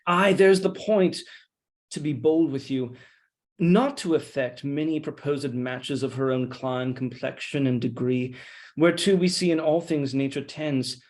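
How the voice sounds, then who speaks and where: Man reading a measured, insinuating schemer. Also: medium pitch, natural voice. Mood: insinuating, deferential. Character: scheming deferential soldier feeding his lord's suspicion. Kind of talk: Shakespeare read-along.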